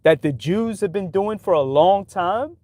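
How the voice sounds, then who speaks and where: A man's voice: sits high, animated, a little slow, a little mellow. A man talking casually in a livestream, giving his opinions in loose street talk full of "like" and "right?". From New York City.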